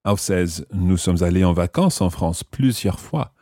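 A man's voice: sits low, lively intonation, measured pace, warm tone, no echo, clean studio sound. A man hosting a language lesson, explaining and repeating phrases for learners in scripted teaching narration.

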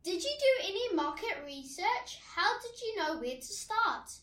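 Very high, lively woman interviewer. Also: a little slow. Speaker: interviewer and host. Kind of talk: scripted introduction and prepared interview questions.

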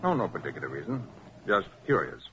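An actor playing a confident, shrewd master detective, brisk and commanding, in 1940s radio style. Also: male voice, low voice, sing-song, sharp tone, exaggerated voice. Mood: curious, courteous. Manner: brisk, commanding, self-assured. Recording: muffled, noisy 1940s radio recording.

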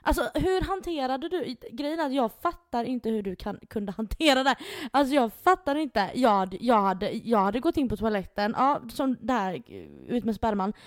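A young woman hosts a podcast in frank, casual chat and laughs often. Her voice sits fairly high. The sound is dry and close. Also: lively intonation, hardly any pauses, no echo. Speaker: podcast host.

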